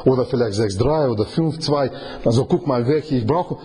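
A man's voice: medium pitch, normal speed. A man preaching in conversational, non-native German, quizzing his listeners and acting out the scenes he explains. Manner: animated, quizzes the audience, acts out scenes. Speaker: Bible teacher. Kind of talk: conversational Bible study sermon.

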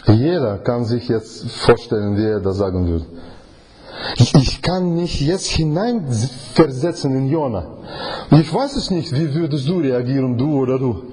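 Preaching in conversational German as a non-native speaker, a Bible teacher leads an animated Bible study sermon. He acts out the scenes he explains and quizzes the people listening. His voice is mid-range and his pace measured.

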